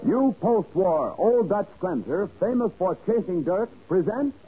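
A man's voice: high voice, expressive, unhurried. An American man announcing a 1940s radio show in an emphatic, declamatory style. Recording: dull vintage radio recording with loud music.

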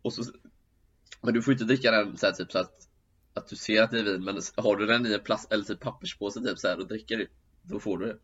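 A man's voice: on the low side, fairly even intonation, a bit bright, highs cut off. A man chatting casually, rambling with many fillers. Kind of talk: casual chat.

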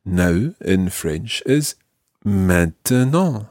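A man hosting a podcast language lesson, modelling phrases slowly and clearly for a learner. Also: deep voice, expressive, a little mellow, no echo, studio quality. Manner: slow, clear teaching delivery with drawn-out model phrases. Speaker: language teacher and podcast host.

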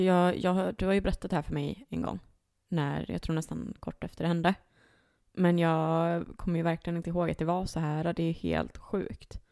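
A young woman chatting on a podcast and reacting in shock to a friend's story. Her voice is fairly low, with a gravelly, creaky edge. The sound is dry and close to the mic. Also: darkish tone, dry recording. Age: young adult. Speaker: podcast co-host. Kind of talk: casual chat.

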